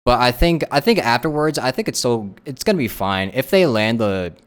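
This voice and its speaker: A man's voice: medium pitch, animated, moderate pace, smooth. A man streaming a casual live reaction, talking in a rambling way with lots of restarts and fillers.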